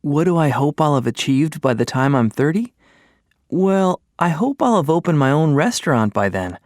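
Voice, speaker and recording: A man's voice: fairly high pitch, sing-song, normal speed, dry recording, clean studio sound. A man playing a young office worker who talks casually and upbeat about his plans.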